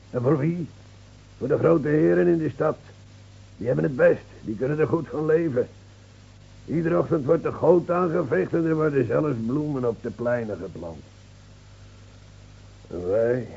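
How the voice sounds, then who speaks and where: An actor playing a bitter mountain winegrower in a radio play, grumbling and complaining. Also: male voice, mid-range voice, expressive, a little slow, creaky, long pauses, dark tone. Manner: grumbling, embittered. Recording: muffled, noisy old radio recording with hum.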